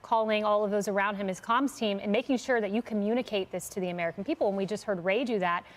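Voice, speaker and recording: A woman's voice: mid-range voice, quick pace. Emphatic woman guest on a tv interview. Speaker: guest commentator.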